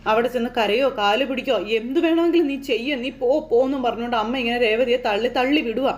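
A woman in casual style quickly retelling a TV serial episode, slipping into the characters' lines as she goes. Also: on the high side. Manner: lively storyteller voicing characters' lines in passing. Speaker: serial recap narrator. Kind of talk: fast casual plot retelling.

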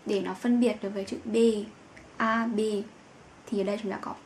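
A woman teaching German pronunciation in a patient lesson, with drawn-out fillers and each example word said twice. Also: mid-range voice, fairly even intonation, a little hiss or hum. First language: Vietnamese.

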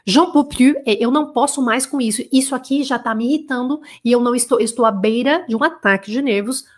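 A Brazilian woman with a Brazilian Portuguese accent giving a casual live French lesson, slowing down to model phrases and checking in with quick tag questions. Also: fairly high pitch. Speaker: French teacher. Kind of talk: live online language lesson.

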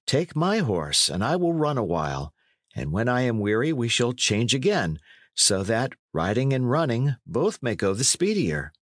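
A man's voice: medium pitch, sing-song, moderate pace, no echo, clean studio sound. A man voicing a blunt, kindly young adventurer in a storybook, with hearty archaic speech. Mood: forthright. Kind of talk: storybook character reading.

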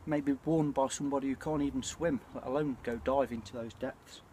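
A British man in his forties chatting casually and reflectively to camera, with a hesitant, throat-clearing delivery. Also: mid-range voice, steady tone, brisk, mellow. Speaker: bushcraft vlogger. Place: outdoors at night by a small campfire. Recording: clear ambient noise of an outdoor campfire.

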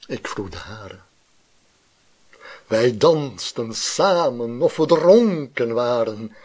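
A man with a husky voice giving a theatrical recitation of a poem, moving between loud outbursts and hushed phrases. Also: medium pitch. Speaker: poetry reciter. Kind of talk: dramatic poetry recitation.

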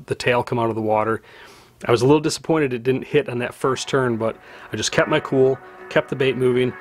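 A man's voice: mid-range voice, no room sound. A man in his thirties, a fishing channel host, narrating footage in a conversational, descriptive way into a close mic indoors.

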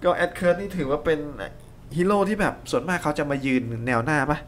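A young man giving casual, excitable gameplay commentary and teasing his co-player. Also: on the high side, brisk. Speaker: game commentator. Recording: faint background noise.

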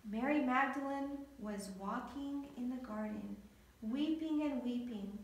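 Slow, high-voiced woman telling a children's story. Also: recorded from a distance. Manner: slow, expressive, asks the children questions. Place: church. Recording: echoey church hall.

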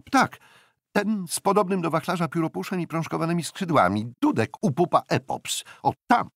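A man doing an excitable, high-pitched naturalist. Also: normal speed, creaky, no echo, studio quality, heavily acted. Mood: excited. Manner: bursts of high exclamations, quizzical questions. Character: excitable male naturalist, eager bird lover. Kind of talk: audiobook character voice.

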